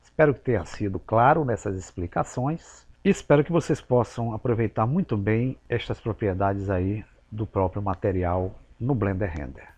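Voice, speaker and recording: A man, patiently explaining a software tutorial step by step with casual asides. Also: lowish voice, normal speed, hardly any pauses. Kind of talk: screen-recorded software tutorial.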